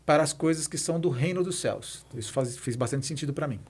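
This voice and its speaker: Brazilian man in his fifties, slightly high-voiced. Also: fast talker, darkish tone, breathy edge. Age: 50s. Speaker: podcast guest, president of a nonprofit institute. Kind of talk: conversational interview answers, personal storytelling.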